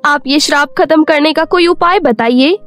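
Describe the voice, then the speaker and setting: Woman voicing a haughty, high-pitched young princess. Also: normal speed, no echo, soft background music, lightly acted. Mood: determined. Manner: haughty, self-admiring, demanding. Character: vain, arrogant, hot-tempered young princess. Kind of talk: cartoon moral-story character voice.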